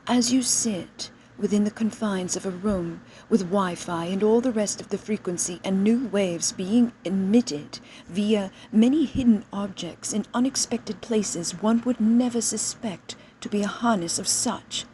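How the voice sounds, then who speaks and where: A woman's voice: medium pitch, measured pace, hardly any pauses, mellow, poor audio. A woman delivering a channeled spiritual message as a trance medium, in a solemn, stilted seance manner. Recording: background noise.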